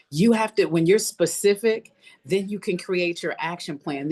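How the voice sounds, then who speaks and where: A woman leading a live motivational online class as a coach, speaking emphatically and repeating phrases to encourage her listeners. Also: lowish voice. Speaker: business coach hosting an online masterclass. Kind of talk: live motivational webinar talk.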